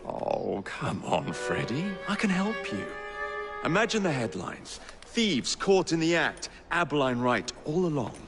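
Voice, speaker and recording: An actor playing a cocky young gang leader who teases in a video game cutscene. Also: male voice, a little high, sing-song, a little slow, music in the background. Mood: teasing. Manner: teasing, cocky.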